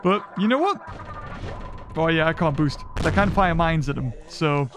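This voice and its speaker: A man giving excitable, rambling let's play commentary into a desk microphone, thinking aloud as he plays. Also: on the high side, moderate pace, noisy background. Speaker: gaming commentator.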